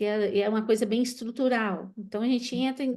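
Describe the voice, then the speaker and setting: This woman has a Minas Gerais accent and a fairly high pitch, her intonation fairly even. She talks at a moderate pace against a quiet background. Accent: Minas Gerais (mineiro) Brazilian Portuguese. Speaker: psychoanalyst, event host. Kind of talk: panel discussion closing remarks. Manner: hesitant, frequent fillers.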